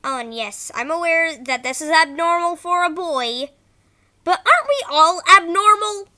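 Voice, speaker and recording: A woman voicing an upbeat, quirky cartoon cat boy in a squeaky voice, with stumbling, bad amateur acting. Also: lively intonation, moderate pace, bright, forceful tone, full character voice. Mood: perky, theatrical.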